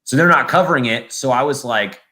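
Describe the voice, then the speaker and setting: A man's voice: medium pitch, fairly quick, pushed and bright. A young man with a Southern California accent, a play-by-play announcer chatting on a podcast, rambling with lots of fillers and restarts. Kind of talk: casual podcast chat.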